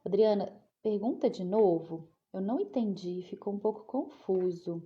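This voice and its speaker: A psychologist answers viewer questions during a casual live Q&A, chatting away, calling her audience "gente" and often checking in with "né?". Her voice is medium-pitched and moderately paced, with the high frequencies cut off.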